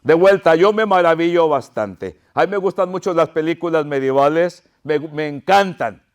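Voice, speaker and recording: A man's voice: on the high side, lively intonation, moderate pace, smooth. A pastor preaching an impassioned sermon to his congregation, crying out pleas and calling them his brothers.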